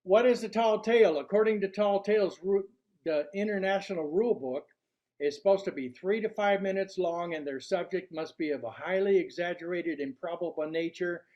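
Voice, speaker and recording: Older man, high voice, deliberate showman delivery, club speech, dull lo-fi recording. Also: a little mellow. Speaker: club speaker giving a workshop. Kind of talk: prepared public speech to a club audience. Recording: dull, lo-fi sound.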